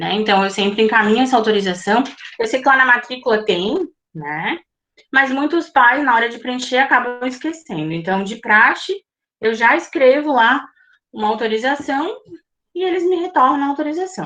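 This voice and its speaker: A woman's high, bright, sharp voice with very wide pitch swings, at a moderate pace. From Florianópolis, Santa Catarina, southern Brazil. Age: 30s. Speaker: schoolteacher. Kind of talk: online live presentation. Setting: live stream.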